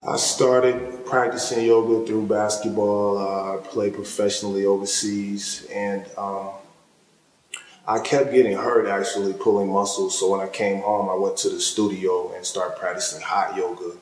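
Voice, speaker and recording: A man in his thirties telling a documentary interviewer how he came to yoga, in a steady and measured way. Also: lowish voice, soft background music. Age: 30s. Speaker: interviewee, former pro basketball player. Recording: echoey hall from a distance.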